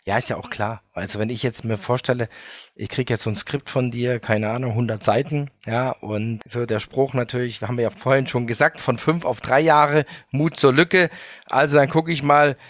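A man hosting a casual conversation, chatty and often tagging his sentences with a quick affirming word. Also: mid-range voice, fairly even intonation, a bit bright, dry recording. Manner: chatty, frequent "ja" fillers.

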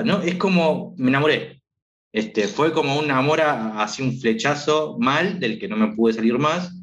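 A man in his thirties from Argentina, with an Argentine accent, talking casually as a guest and filling his pauses with "este". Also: medium pitch, fairly bright tone, lo-fi sound. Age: 30s. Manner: rambling, lots of filler "este". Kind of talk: casual chat.

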